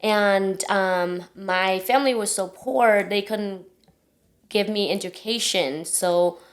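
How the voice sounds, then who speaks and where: Woman podcast guest from cambodia, southeast asian accent, non-native english, casually telling her story, mid pitch. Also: slow pace. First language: Vietnamese or Khmer.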